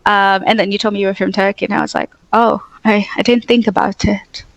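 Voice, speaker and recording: A young woman from Tanzania with a mostly American accent tinged with Australian and English, telling stories in a talkative, animated way as a guest in a casual interview. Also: medium pitch, fairly quick, creaky, rough recording. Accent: mostly American with Australian and English touches. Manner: talkative, animated storytelling with many "like" fillers.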